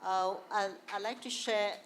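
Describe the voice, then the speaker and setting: A woman with a posh, educated Indian accent, speaking earnestly and a little haltingly as she shares anecdotes and opinions at a panel discussion. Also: medium pitch, fairly even intonation, noisy background.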